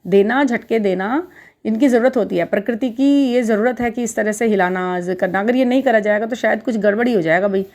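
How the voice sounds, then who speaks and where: A woman's voice: on the high side, a little fast, darkish tone. A middle-aged woman hosting a spiritual guidance channel, talking casually and reassuringly to her viewers, repeating words for emphasis and mixing English terms into her Hindi.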